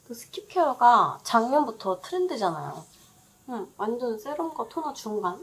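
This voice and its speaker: Animated and high-pitched, a woman speaks at a fairly slow pace with very wide pitch swings. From South Korea. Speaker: fashion vlogger. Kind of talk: casual vlog with product talk. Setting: home, talking to camera. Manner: chatty, animated. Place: home room. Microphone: phone near.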